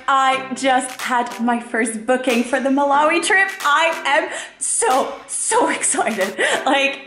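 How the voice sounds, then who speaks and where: A bubbly woman in her twenties, from the Czech Republic, whose accent blends British and North American. She talks in a slightly high, excitable way and laughs often. Music plays clearly behind her narration. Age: 20s. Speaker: travel vlogger. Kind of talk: casual vlog narration. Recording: music playing behind voice-over.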